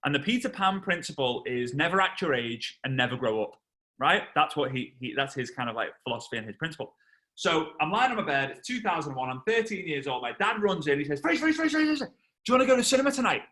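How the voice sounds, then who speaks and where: Englishman in his thirties, bright and a touch high, animated trainer acting out a story over a video call. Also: fairly quick. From England. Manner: animated storyteller, acts out voices and shouts. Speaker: network marketing trainer.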